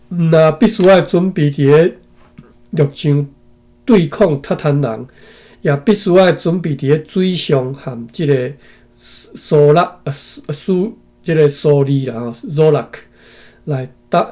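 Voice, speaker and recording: A man from Taiwan reads an old historical text aloud with commentary, his voice mellow and fairly high. He moves through it phrase by phrase, pausing for asides to his listeners that often end with a tag particle.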